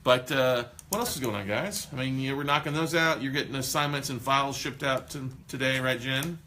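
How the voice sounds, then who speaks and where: A man hosts a casual live stream, pushing his viewers with loud, fired-up encouragement. His voice is bright and forceful, with a faint hiss in the background. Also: mid-range voice, fairly quick. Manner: energetic, motivational, loud. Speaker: host.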